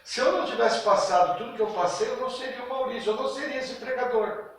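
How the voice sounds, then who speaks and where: Guy teaching sunday school, high voice, super echoey hall, sounds far from the mic. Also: fast. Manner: conversational, asks the class questions, acts out little scenes. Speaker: Bible school teacher and preacher. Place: church hall. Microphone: distant room mic.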